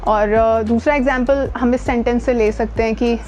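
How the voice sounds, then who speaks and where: A woman's voice: a little high, steady tone, normal speed, a little mellow, lo-fi sound, soft background music. A woman with an Indian accent giving a conversational lesson as a voice coach, mixing in English and leaning on key words. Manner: code-switches into English, stresses key words. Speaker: voice training coach and presenter. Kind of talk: instructional talk to camera, conversational.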